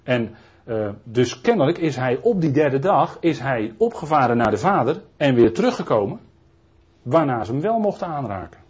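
Husky man preaching a Bible lesson. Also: mid-range voice, very animated, normal speed, a little mellow. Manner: rambling, frequent tag questions and restarts. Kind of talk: Bible teaching sermon. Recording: dull lo-fi recording.

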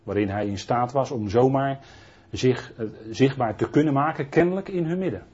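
A man's voice: mid-range voice, normal speed, a little mellow, husky. A man preaching a Bible teaching sermon in a rambling way, often adding tag questions and restarting his sentences. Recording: dull lo-fi recording.

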